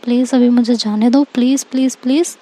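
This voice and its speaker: A woman's voice: a little high, steady tone, fast talker, warm tone, close to an everyday voice. A woman voicing a playful teenage schoolgirl who coaxes and pleads, in a told story. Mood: pleading. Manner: coaxing, pleading.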